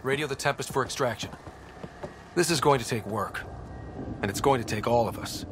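A man's voice: mid-range voice, a little fast, noisy background, close to an everyday voice. Man as a confident young space explorer. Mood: determined. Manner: casual, assured.

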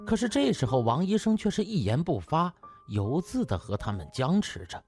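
Husky, highly animated male audiobook narrator. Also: moderate pace, faint music behind. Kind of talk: dramatic scripted narration of comic novel.

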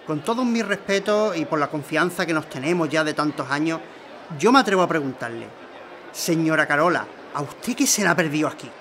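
A man's voice: fairly high pitch, expressive, brisk, fairly bright tone. An actor playing a lady's cautious, respectful long-serving driver in an audio drama. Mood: concerned, deferential. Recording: noisy street ambience behind.

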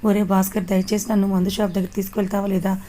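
A woman's voice: medium pitch, flat delivery, very fast, dark tone, lightly acted. A woman voicing a heartbroken young man who drinks to drown his grief, in a Telugu audio story, in slurred grieving outbursts. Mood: gloomy.

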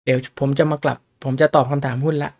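A man's voice: fairly high pitch, fairly even intonation, quick pace, vocal fry, a little mellow. A man hosting a casual livestream on stock analysis, talking chattily and often asking his viewers rhetorical questions. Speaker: stock market livestream host.

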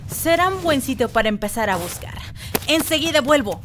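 A woman's voice: sits high, lively intonation, moderate pace, background noise. A woman voicing a brave, confident, boastful female hedgehog heroine in a fan dub of video game cutscenes. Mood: determined. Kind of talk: Latin American fandub of game cutscenes.

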